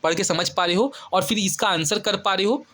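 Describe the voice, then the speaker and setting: A young man tutoring kids for an English olympiad exam in casual Hindi, reading English sentences out slowly and constantly checking that students follow along. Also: high-pitched, a bit bright. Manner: chatty, keeps checking students follow ("है ना", "ठीक है").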